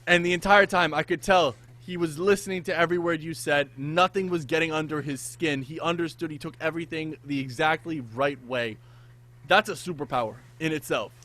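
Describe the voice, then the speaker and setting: A man's voice: a little high, steady tone, fairly quick, sharp tone. A man hosting a casual sports podcast interview, affirming his guest and laughing along. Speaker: podcast host.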